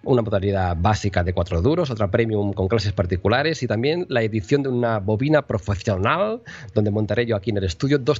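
A man from who is a radio broadcaster and voice teacher, speaking in a lively conversational way and losing his voice a bit. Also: mid-range voice, no room sound, muffled recording. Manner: lively, teaching with mock intonation examples. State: losing his voice, sipping water. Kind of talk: conversational interview.

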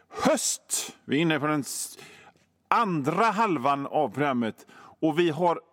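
A man's voice: fairly high pitch, no echo. A male radio host delivering a comedic monologue in a sardonic, mock-grumpy ranting manner into a studio microphone.

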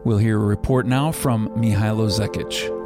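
Male host, fairly low voice, announcer-style intro, music clearly underneath. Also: steady tone, normal speed. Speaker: program host. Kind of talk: news program introduction.

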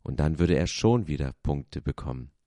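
A man, a pastor, reading a children's story aloud with expressive storytelling. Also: very deep voice, moderate pace, no room sound, studio quality.

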